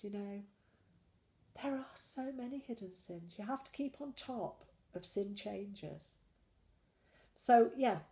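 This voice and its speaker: A woman's voice: medium pitch, vocal fry, dark tone. A woman with a cold chatting in a casual weekly diet vlog, rambling and self-deprecating. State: full of cold. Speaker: slimming vlogger.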